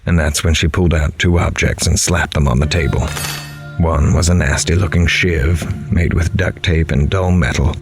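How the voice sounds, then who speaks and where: Horror audio drama: dogged crime reporter, extremely low voice, grave noir-style narration, faint music beneath. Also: male voice, steady tone, normal speed. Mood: tense, dark. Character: grim, dogged male crime reporter recounting a prison interview.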